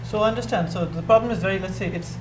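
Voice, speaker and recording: A young man from Bangladesh, moderating a student panel discussion in a measured, formal way. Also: high-pitched. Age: young adult. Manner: measured, formal, repeats words while thinking. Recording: echoey room with background noise.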